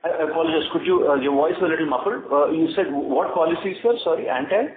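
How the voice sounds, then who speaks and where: A man speaking as a company executive on an earnings call, answering questions in a measured, careful, explanatory way. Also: a little high. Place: conference call line. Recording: echoey phone line with heavy noise.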